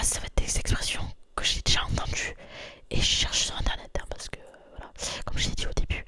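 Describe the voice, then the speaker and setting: Whispering young French woman. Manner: soft whisper, repeating words over and over. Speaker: ASMR creator. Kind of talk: whispered ASMR with triggers. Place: dimly lit room.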